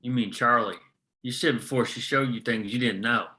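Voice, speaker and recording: A man playing a tough, profane small-town lawman in a drama table read, speaking in terse, measured lines. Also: mid-range voice, sharp tone, natural voice. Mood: probing.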